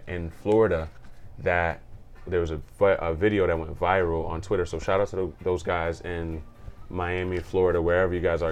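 A man from Jamaica, a community organizer, chatting as an interview guest in an upbeat way, full of shout-outs and laughs. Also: low-pitched. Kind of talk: casual interview chat.

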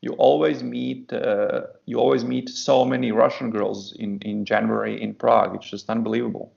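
A man's voice: medium pitch, little pitch movement, moderate pace, creaky, a little mellow. A man from Latvia, a native Latvian speaker, talking matter-of-factly as a podcast guest and often repeating words as he starts a sentence. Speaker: podcast guest, dating coach. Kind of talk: casual podcast chat. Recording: dull lo-fi podcast audio.

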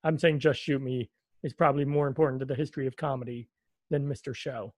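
A man's voice: mid-range voice, steady tone, fast talker, darkish tone, no echo. A man hosting a casual podcast, rambling and joking with sarcastic asides. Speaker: podcast host.

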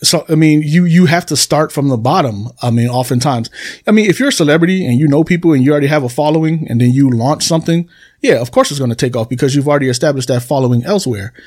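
Higher-pitched man, casual podcast host. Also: fast, darkish tone. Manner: conversational, repeats phrases for emphasis. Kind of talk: casual solo podcast talk, addressing listeners. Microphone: computer desk recording.

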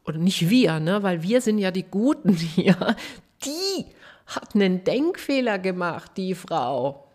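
A woman's voice: on the low side, unhurried. A woman voice coach hosting a podcast lesson, chatty and emphatic, checking in with the listener as she explains. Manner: chatty, addresses listener with tag questions; emphatic, lively. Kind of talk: casual spoken podcast lesson.

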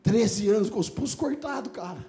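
A male pastor telling a story in a sermon, animated and lively, sometimes breaking into shouts and laughter. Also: high voice, a little fast.

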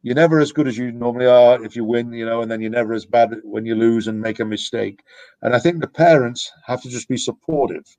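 A man's voice: medium pitch, quick pace, darkish tone, dry recording. A middle-aged man, a youth soccer coach, talking in a casual podcast conversation, reflective and rambling with restarts. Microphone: podcast microphone.

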